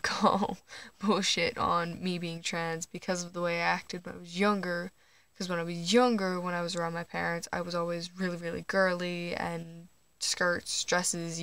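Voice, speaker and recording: A teenage trans guy talking quietly and hesitantly at night under his bed, recording on a phone, with nervous laughs. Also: sits high, creaky, clear, resonant tone, no room sound. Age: teens. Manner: hushed late-night talking. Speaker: vlogger. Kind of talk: casual personal vlog. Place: under a bed at home, indoors. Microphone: phone camera.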